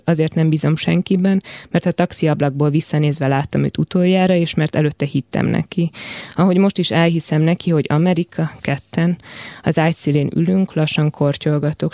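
Gravelly-voiced man reading prose aloud. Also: fairly high pitch, mellow, no room sound, studio quality. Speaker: reader of a literary text. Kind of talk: literary reading on radio. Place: radio studio.

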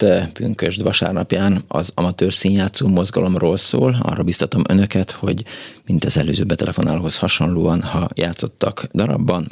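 A man with a very low, gravelly voice hosts a call-in radio program. His husky delivery wanders, full of pauses and hesitations. The sound is dry and close. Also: darkish tone, no room sound. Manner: rambling, many hesitations. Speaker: radio host.

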